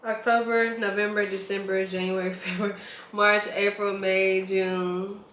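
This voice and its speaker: Woman in her twenties, bright and high, hosting a chatty couple vlog; echoey room. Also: level tone, a little slow. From Nashville, Tennessee, USA. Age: 20s. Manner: giggly, laughs often, eats while talking. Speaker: YouTube channel host. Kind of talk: casual couple Q&A chat. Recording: echoey room with faint noise.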